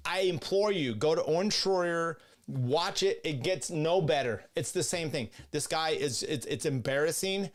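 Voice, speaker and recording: A man's voice: on the high side, unhurried. Blunt mocking man reacting to clips. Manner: blunt, mocking, laughs often. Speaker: host. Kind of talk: casual commentary on debate clips.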